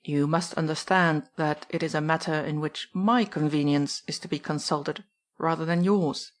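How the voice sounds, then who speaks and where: A stately, smug older gentleman, read by a woman, speaks slowly and with measured condescension. The voice stays close to the reader's own, a little lower. The delivery is a plain audiobook reading. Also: fairly even intonation, close to an everyday voice. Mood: condescending.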